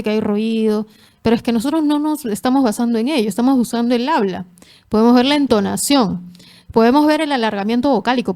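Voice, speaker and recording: A woman answers interview questions as a forensic linguist. She speaks in a slightly high voice and explains things patiently, working through examples. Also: a little mellow. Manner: measured and explanatory, gives examples.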